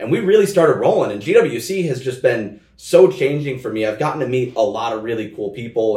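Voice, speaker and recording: A man's medium-pitched voice sounds somewhat breathy. His intonation is lively. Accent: American. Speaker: esports commentator. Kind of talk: casual chat.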